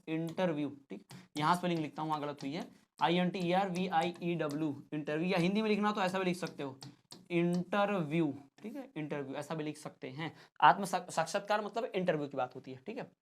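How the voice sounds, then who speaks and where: A man teaching an exam-prep class. He reads out each question, gives the answer and says it again so it sticks. His explaining is plain and steady, like a classroom drill. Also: high voice. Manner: asks a question, then answers and repeats it.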